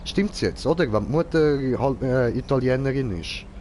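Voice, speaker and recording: A man's voice: mid-range voice, animated, normal speed, darkish tone, a little hiss or hum. A man giving casual live gaming commentary in clownish, slangy broken grammar, as a streamer. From Switzerland. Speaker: game streamer.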